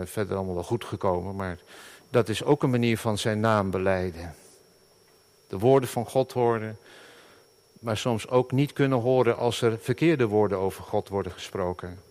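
A middle-aged man, a pastor, preaching a sermon in an earnest, halting way with many fillers and restarts. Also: lowish voice, a little mellow.

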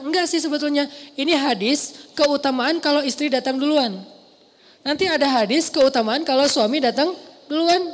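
An Indonesian-accented man preaching a sermon to a mosque audience, telling stories with lively asides. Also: extremely high pitch. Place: large mosque hall. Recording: long hall reverb.

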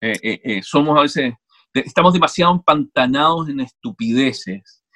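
A Chilean man, an actor and interview guest, telling stories in a casual, animated, digressive way with many restarts. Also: medium pitch, normal speed. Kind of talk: casual conversation.

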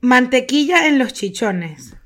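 A young woman with a Venezuelan accent, co-hosting a podcast in a casual, animated, slang-heavy chat full of stories and laughs. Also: sits high, slow. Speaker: podcast co-host.

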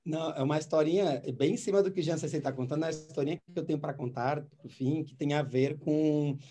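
A man with a mellow, somewhat high voice talks quickly as a doctor. He tells a clinic story conversationally and voices both sides of the dialogue. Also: steady tone. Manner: recounts cases and acts out the dialogue.

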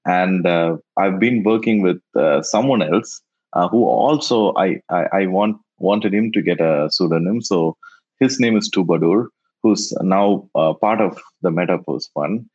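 A man whose first language is Tamil, answering interview questions in a halting way and often repeating words as he thinks. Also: low voice, a little mellow, breathy edge. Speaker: guest, NFT investor. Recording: dull lo-fi sound.

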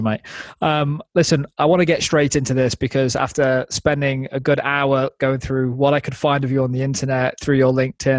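A man's voice: medium pitch, no room sound. A man in his thirties hosting a casual interview podcast, chatty and eager with his questions. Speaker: podcast host.

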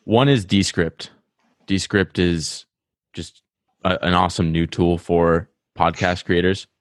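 In a dry, studio-quality recording, a Rhode Island man takes his time, his low-pitched voice keeping a fairly even intonation. The talk is casual podcast conversation, and he's eager and long-winded, repeatedly cutting himself off to begin again.

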